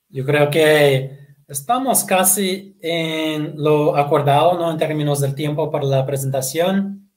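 A man's voice: a little high, a little mellow. Hesitant man answering on a video call. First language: Portuguese. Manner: hesitant, repeats words, frequent tag questions. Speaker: guest presenter. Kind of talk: webinar Q&A answers. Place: home room, indoors.

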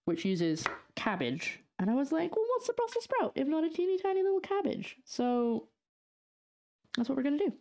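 A woman's voice: on the high side, mellow. A young woman from northeast Scotland with a light Scottish accent and a slight lisp from a brace, chatting jokily to her stream while cooking in her home kitchen. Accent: light Scottish, partly English-sounding. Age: young adult. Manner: chatty, jokey, sarcastic asides to chat. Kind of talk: casual live-stream chat while cooking.

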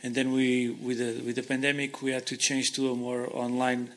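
A man's voice: mid-range voice, completely flat delivery, normal speed, a bit bright. Brief: thirties Portuguese-accented man, conference Q&A, handheld mic, earnest, gestures while explaining. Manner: earnest, explains with hand gestures, frequent restarts. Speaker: invited speaker answering audience questions. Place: conference hall stage, seated in armchair.

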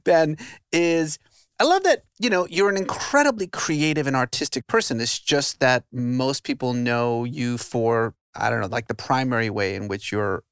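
A man's voice: mid-range voice, normal speed, a bit bright, clear, resonant tone, no echo. A middle-aged man hosts with a playful, joking manner and lets his questions wander. His voice is dry and close on a studio microphone. He is recording in a home study. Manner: playful, jokey, asks long rambling questions. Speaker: podcast co-host. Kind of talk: casual interview. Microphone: studio mic on boom arm, headphones.

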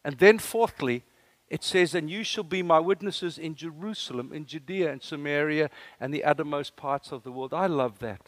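A South African man with an Afrikaans accent preaching a lively sermon, telling stories and tossing questions to the congregation. His voice sits fairly high for a man and is recorded dry and close, with little room sound. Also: normal speed, no echo. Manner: animated storytelling preacher, asks the room questions. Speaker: guest preacher.

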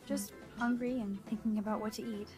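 A woman's voice: mid-range voice, steady tone, brisk, music in the background, close to an everyday voice. A young woman voicing an observant teenage student in a video game, with dry, wry musings.

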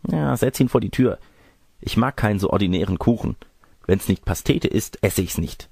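A gravelly, husky storybook villain, acted out by a man: a lecherous wolf-sorcerer posing as granny. He wheedles, boasts and snaps with swooping, lively pitch. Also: normal speed, dry recording, clean studio sound, full character voice. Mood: testy. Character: lecherous wolf-sorcerer disguised as a grandmother, smug and testy. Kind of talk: storybook character reading.

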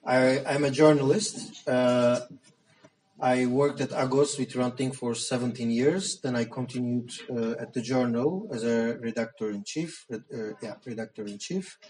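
A man's voice: mid-range voice, steady tone, moderate pace, darkish tone. A man from Turkey, a native Armenian speaker and journalist, giving a talk at a public meeting in hesitant English full of fillers and restarts. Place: meeting hall. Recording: speaker heard from far off.

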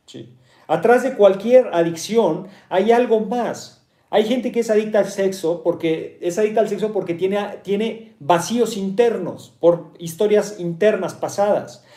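A man's voice: sits high, measured pace, dark tone, echoey room. A man with a Mexican Spanish accent, a meditation teacher explaining ideas to listeners, often asking rhetorical questions, checking in with "¿sí?", and repeating key points.

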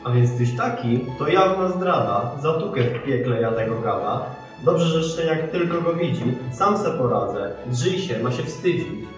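A man's voice: mid-range voice, expressive, moderate pace, natural voice. A young man playing a scheming devil in a school nativity play, taunting in rhymed verse. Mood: sneering. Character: scheming male devil who spoils Christmas. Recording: echoey hall from far off, music.

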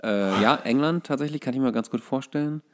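A man's voice: mid-range voice, a little fast. A man co-hosting a casual football chat, explaining his views and thinking aloud as he goes. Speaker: podcast co-host.

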